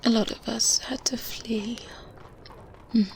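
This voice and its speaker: A woman playing a kindly, wise older witch in a softly spoken, whispered ASMR roleplay, with gentle, pensive pauses. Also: on the high side, steady tone. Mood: pensive, secretive. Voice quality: soft, breathy, mostly whispered. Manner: unhurried, gentle, pensive, with murmured hums and pauses. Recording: faint ambient noise bed. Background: medieval ambience sounds.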